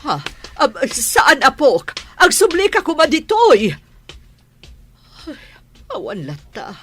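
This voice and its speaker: A woman's voice: high voice, wildly swooping pitch, slow, a bit bright, soft background music, full character voice. An actress playing a worried, pleading old grandmother in an Ilocano radio drama.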